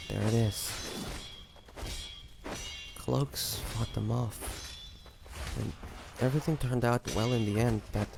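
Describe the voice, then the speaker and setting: A man playing an earnest, emotional young hunter in an audio drama, speaking haltingly with stammers. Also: on the low side, gravelly, background noise. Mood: wistful realization. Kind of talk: dramatic audio roleplay acting.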